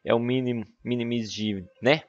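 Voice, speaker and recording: A young man with a European Portuguese accent doing excitable let's play commentary, breaking into loud exclamations. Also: medium pitch, fast talker, no room sound, muffled recording. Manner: excitable, bursts into exclamations and laughter. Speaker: gaming YouTuber.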